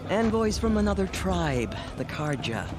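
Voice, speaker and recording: A woman's voice: on the low side, big pitch swings, a little slow. An actress playing a kindly but commanding old tribal matriarch in a video game, wry and motherly. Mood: confiding, wry. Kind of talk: video game cutscene acting. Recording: loud outdoor ambience noise.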